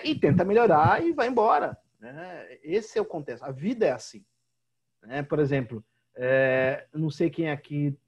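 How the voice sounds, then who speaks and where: A man's voice: on the high side, slightly rough. A man with a Brazilian Portuguese accent teaching an online class, chatty and constantly checking in with his students. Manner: chatty, keeps asking "né?". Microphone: video call. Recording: dull lo-fi video call audio.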